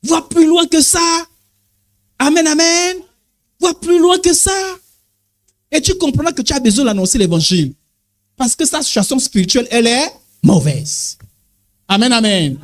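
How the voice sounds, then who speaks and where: A man preaching an animated sermon as an apostle, exclaiming and calling "amen, amen" to the congregation, swinging his pitch up and down for emphasis. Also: moderate pace, long pauses. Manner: swings sharply between high and low pitch for emphasis.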